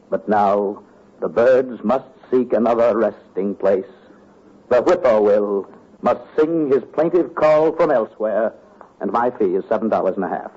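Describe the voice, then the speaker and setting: A man's voice: on the low side, slightly rough. An actor playing a pompous, long-winded male tree doctor who orates grandly in a vintage radio comedy. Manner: grand orating, then dry punchline. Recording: muffled vintage radio recording.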